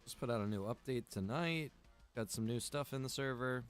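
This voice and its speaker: A man's voice: medium pitch, normal speed, clean tone, soft background music. A man talking casually and easily to viewers as he hosts a live gameplay stream, chatty and direct. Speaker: game streamer and server admin.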